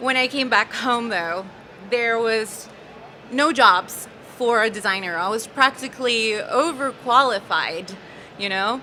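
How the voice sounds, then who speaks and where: Fairly slow speech in a Spanish accent with long, frequent pauses, ordinary pitch variation and noticeable background noise. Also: woman, fairly high pitch for a woman. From El Salvador. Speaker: apparel company creative director. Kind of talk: casual interview chat. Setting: live stream.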